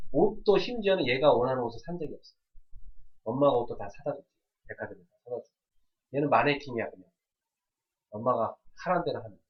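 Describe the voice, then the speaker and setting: A male pastor giving a sermon on parenting, asking the congregation questions and quietly acting out parents talking to children. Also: mid-range voice, husky, muffled recording. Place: church.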